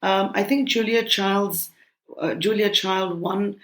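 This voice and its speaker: A woman's voice: mid-range voice, takes it slowly. A British-raised woman in her sixties, a cookbook author talking from home over a call, hesitant with many ums and restarts. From United Kingdom. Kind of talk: relaxed conversational interview. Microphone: remote call from home.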